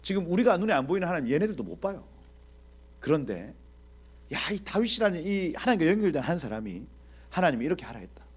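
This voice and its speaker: A man teaching a Bible exposition in an animated preaching style, speaking directly to his audience and acting out scenes. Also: a little high, fast, breathy edge. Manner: animated, acts out quoted dialogue.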